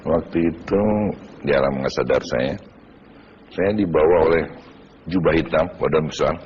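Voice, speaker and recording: Very deep-voiced man, hesitant. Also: normal speed, a little mellow. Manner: hesitant, plain recollection. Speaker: guest. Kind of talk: personal testimony. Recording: dull lo-fi TV audio, faint noise.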